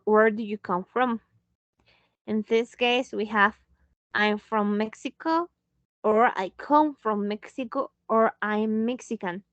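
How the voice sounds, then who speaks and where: Woman English teacher, slow and patient delivery, fairly high voice, dull dry call audio. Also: dry recording. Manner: slow, patient, switching into Spanish to explain. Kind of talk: online English lesson.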